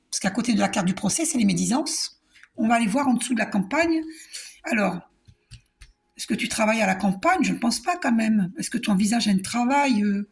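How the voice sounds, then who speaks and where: A woman doing a calm, reassuring spiritual card reading. She talks to the viewer, repeats herself and uses many fillers. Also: medium pitch. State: coughing a little. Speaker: card reader.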